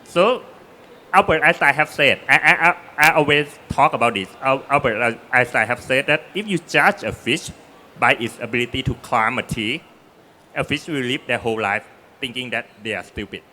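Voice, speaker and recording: A man's voice: mid-range voice, moderate pace, sharp tone, a little hiss or hum. A man on a discussion panel, speaking earnestly and stumbling over his openings. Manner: earnest, repeats words when starting.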